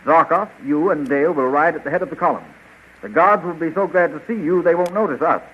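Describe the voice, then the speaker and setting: An actor playing a confident, decisive young adventure hero in an earnest 1930s radio serial. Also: male voice, on the high side, fast, husky. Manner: earnest, declamatory. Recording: muffled, hissy 1935 radio recording.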